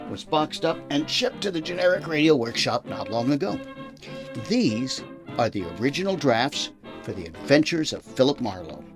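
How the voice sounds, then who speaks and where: A man's voice: mid-range voice, very animated, moderate pace, music in the background. A man hosting, moving between scripted introduction and interview questions. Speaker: host and interviewer.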